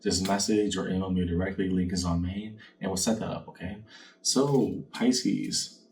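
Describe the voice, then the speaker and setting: Low-voiced man reading tarot, slightly distant. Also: fairly even intonation, moderate pace, gravelly, a little mellow. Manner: reflective, addresses listener directly, rhetorical questions. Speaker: tarot card reader, channel host. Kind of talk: conversational fortune-teller card reading. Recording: distant mic, faint background noise.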